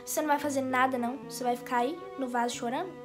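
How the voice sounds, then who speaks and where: Woman putting on a smug brazilian girl, low flat mocking voice, bit of music behind. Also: racing, natural voice. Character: mocking younger girl, deadpan and teasing.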